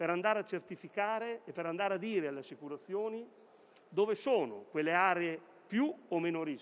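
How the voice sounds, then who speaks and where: Fairly quick speech from a man at a high pitch, with ordinary pitch variation. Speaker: land reclamation consortium president; speaker. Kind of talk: conference speech. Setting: stage with audience. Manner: rhetorical. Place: hall. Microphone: podium.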